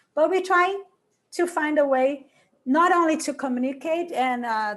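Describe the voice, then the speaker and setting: A woman talks in a Brazilian Portuguese accent at a fairly slow pace with ordinary pitch variation. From Brazil, São Paulo. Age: 50s. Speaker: entrepreneur. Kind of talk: webinar presentation. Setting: conference call. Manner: halting.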